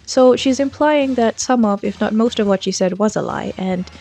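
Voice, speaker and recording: A woman's voice: mid-range voice, normal speed, dark tone, soft background music. A woman giving casual, chatty commentary on a case, with a close voice-over mic. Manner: chatty, frequent "like" fillers. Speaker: true-crime commentary YouTuber.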